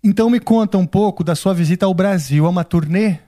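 A man hosts an interview in a chatty, encouraging way and likes to muse aloud between questions. His voice is fairly high for a man and mellow in tone. The recording sounds dry and close. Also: fast, no room sound. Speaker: podcast host. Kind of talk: casual interview.

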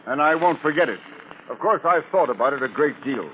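Male actor for genial moneyed older studio boss in a 1940s radio play, raised pitch, narrow old-broadcast sound. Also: lively intonation, fairly quick, close to an everyday voice. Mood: genial, reflective. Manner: hearty, genial, expansive. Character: genial older wealthy male movie producer, grateful host. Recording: narrow-band old radio, faint noise.

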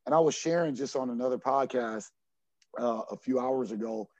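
A man in his forties with a dark, mellow voice talks earnestly as a coach on a podcast. He restarts and repeats words while he gathers his thoughts. The audio is dry and a little muffled. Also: medium pitch, normal speed, no echo. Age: 40s. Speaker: junior college basketball coach. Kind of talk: podcast interview answer.

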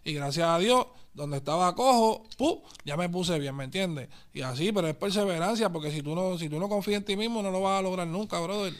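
Fast-talking Puerto Rican man, high voice. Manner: fast, animated street slang, calls listener papi and brother. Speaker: guest artist. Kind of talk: casual interview chat.

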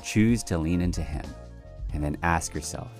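Man, very low voice, calm earnest devotional reading, soft music underneath. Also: moderate pace. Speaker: devotional speaker.

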